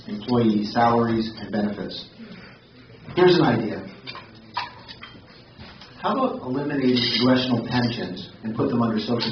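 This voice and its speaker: A male candidate with a medium-pitched voice delivers a pointed campaign speech at a forum. The recording is muffled and noisy, picked up by a far mic in an echoey hall.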